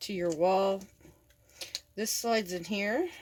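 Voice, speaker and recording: A woman at a fairly slow pace, with a dry, close sound and no echo. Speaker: homesteader vlogger. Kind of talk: product unboxing vlog. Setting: husband's workshop. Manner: quiet, trying not to wake husband; casual, hesitant with fillers.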